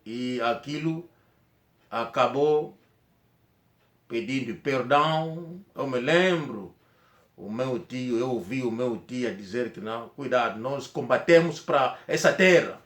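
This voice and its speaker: A vlogger from Angola with Kikongo as his mother tongue shares a personal story in Angolan Portuguese, wandering and faltering with lots of restarts. He sounds animated and a bit bright at medium pitch, and the recording is reverberant.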